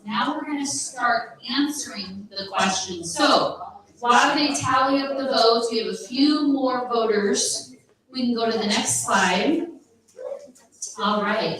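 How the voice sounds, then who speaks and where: A woman leads a workshop in a big conference room with an upbeat, encouraging delivery, repeating her instructions. Her fairly high voice rings back from the walls and sits at a distance from the mic. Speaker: workshop facilitator. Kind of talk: leading a live workshop. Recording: echoey room, voice from far off.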